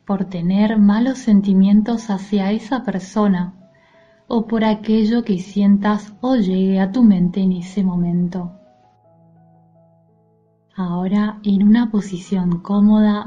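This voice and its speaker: Slow, mellow female meditation guide. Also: medium pitch, dull audio. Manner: soothing, gentle, soft-spoken. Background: music.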